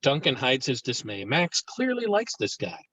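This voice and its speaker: A man's voice: mid-range voice, huge pitch swings, normal speed, a bit bright. A man reading stage directions aloud as scripted narration for a screenplay table read.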